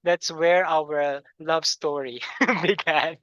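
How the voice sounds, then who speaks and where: A man's voice: a little high, fairly even intonation, a bit bright, dry recording. Guest: man, hesitant delivery with fillers, dry and slightly muffled line. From Philippines. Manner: halting, with many pauses and fillers. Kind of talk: interview.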